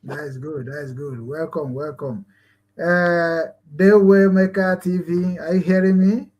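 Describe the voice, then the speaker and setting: Igbo-accented Nigerian male host, high-pitched, rambling and earnest, lots of "uh" and restarts. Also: fairly even intonation, unhurried, lo-fi sound. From Nigeria, Igbo land. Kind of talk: online talk show hosting.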